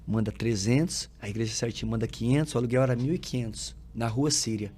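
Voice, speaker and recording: Pastor guy telling his story on a podcast, acts out the dialogue, mid-pitch voice, bit of faint noise behind. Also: quick pace. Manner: lively storytelling, acting out dialogue, frequent filler tags; preacherly, quotes scripture with rising emphasis. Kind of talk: personal testimony in a podcast interview.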